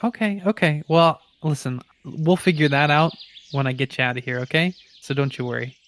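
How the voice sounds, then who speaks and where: A man voicing a kindly, whimsical, confident ranger in a tabletop game, talking in a gentle, casual, reassuring way. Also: a little high, normal speed.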